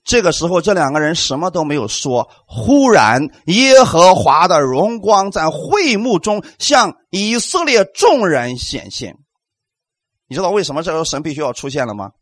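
A male pastor preaching with a high voice that leaps up and down, pressing the congregation with rhetorical questions. He acts out what others might say in emphatic bursts. The sound is dry and close, with no room around it. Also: sing-song, normal speed, fairly bright tone, no echo. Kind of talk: sermon.

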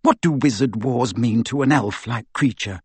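A man's voice: mid-range voice, normal speed, slightly rough, no room sound, natural voice. A man voicing an earnest, clever teenage girl witch who insists on her point, in a raised voice. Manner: insistent, lecturing.

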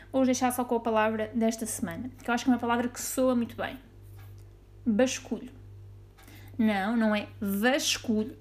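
A woman with a European Portuguese accent hosting a casual solo podcast, chatty and playful, laughing at her own jokes. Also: mid-range voice. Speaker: podcast host.

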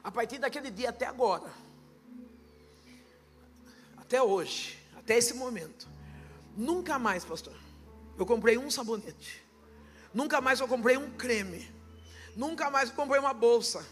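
A Brazilian woman pastor giving a testimony sermon at a church service, impassioned and rising to shouted preaching. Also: a little high, expressive, moderate pace, long pauses, soft background music. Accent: Brazilian Portuguese.

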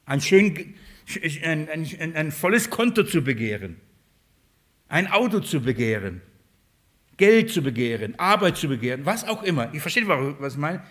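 A man's voice: fairly high pitch, fairly bright tone. A man preaching a Bible-study sermon, putting questions to his listeners and answering them himself.

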